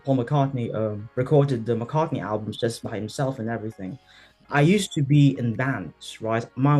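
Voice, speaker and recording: A man's voice: medium pitch, warm tone. A man from the Philippines with a British English accent, a guest answering interview questions over a video call in an earnest, reflective way. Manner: earnest, reflective, sprinkles in "right?" and "you know". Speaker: guest, singer-songwriter.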